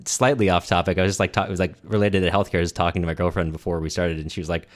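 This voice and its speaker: A man's voice: sits low, steady tone, very fast. A man co-hosting a podcast, discussing a book in an informal, rambling, wry way. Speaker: podcast co-host. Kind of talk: casual book discussion chat.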